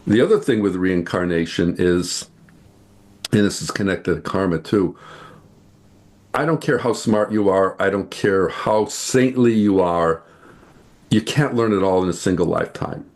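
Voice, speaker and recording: Low-voiced man explaining spiritual ideas. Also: a little mellow. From United States. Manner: earnest, explanatory, slows to stress points. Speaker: guest. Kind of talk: spiritual interview talk.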